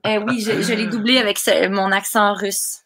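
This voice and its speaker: A young adult woman with a Québécois French accent, a guest chatting casually and animatedly on a podcast with many quick asides. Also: mid-range voice, steady tone, a bit bright. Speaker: guest, voice actress.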